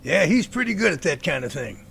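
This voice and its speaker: Bright, creaky, folksy professor played by a man. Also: on the high side, sing-song, fairly quick, slight background noise, full character voice. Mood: friendly. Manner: folksy, courteous phrasing. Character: genial middle-aged professor running a Bigfoot research center. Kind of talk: amateur audio drama dialogue.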